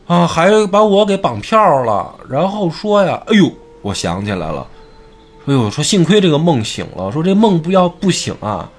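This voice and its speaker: A man's voice: a little high, pitched above the performer's own voice. A man voicing a confused young husband rambling about a long dream, in a comic storytelling.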